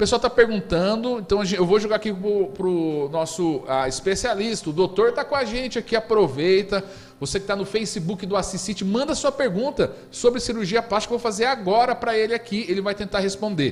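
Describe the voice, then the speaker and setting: Over noticeable background noise, the speech moves at a fairly quick pace with hardly any pauses and ordinary pitch variation. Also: man, high pitch for a man. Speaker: radio news host. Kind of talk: radio interview. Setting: radio studio. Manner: fast.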